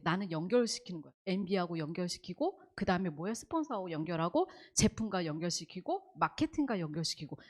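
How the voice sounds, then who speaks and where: Animated woman giving a seminar talk. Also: fairly high pitch. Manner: animated, acts out quoted dialogue, rhetorical questions. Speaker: business seminar speaker. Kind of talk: motivational seminar lecture.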